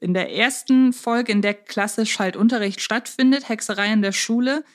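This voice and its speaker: A woman's voice: fairly high pitch, moderate pace. A woman talking in a conversational, analytical way as co-host of a casual podcast discussion.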